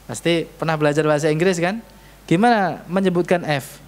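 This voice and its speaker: Seorang pria beraksen Indonesia mengajar tajwid di masjid, sering bertanya kepada jamaah dan mencontohkan bacaan Arab perlahan. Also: male voice, a little high. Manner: questions the audience often, demonstrates Arabic sounds slowly. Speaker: Quran recitation teacher. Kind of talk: tajwid lesson with live recitation examples. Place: mosque prayer hall.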